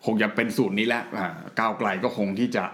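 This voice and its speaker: A man hosting a casual political podcast, talking slowly through his guesses with many hesitant fillers. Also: lowish voice, fairly even intonation, a bit bright, slight background noise. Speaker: podcast host.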